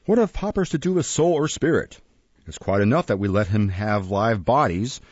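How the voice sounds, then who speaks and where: A man's voice: fairly low pitch, lively intonation, moderate pace, a little mellow, slightly rough, no echo, highs cut off. A man voicing a pompous, stern parish beadle in an audiobook, declaiming emphatically. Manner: declamatory, emphatic, deferential "ma'am".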